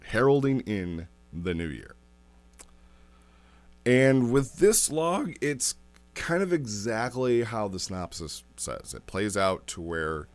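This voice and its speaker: A man giving a casual, unscripted review as a host, rambling a little and thinking aloud as he goes. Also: low voice. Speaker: host reviewing roleplay logs.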